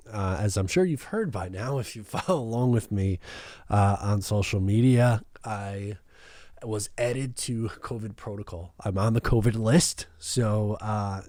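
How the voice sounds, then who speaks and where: Man, young, sports podcast host, casual rambling, low mellow voice, dry sound. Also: no echo.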